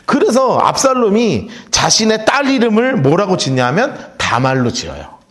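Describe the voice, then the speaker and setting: Animated male pastor teaching the Bible. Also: high voice, normal speed. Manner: storytelling, acts out the characters' lines. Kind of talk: Bible study sermon. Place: church.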